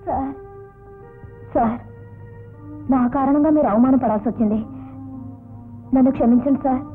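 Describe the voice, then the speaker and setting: A woman playing a fiery, quick-tempered young wife, in a dubbed film drama. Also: high voice, close to an everyday voice. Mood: apologetic. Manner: sharp, scolding. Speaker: aspiring actress and wife. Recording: phone-like narrow sound with music.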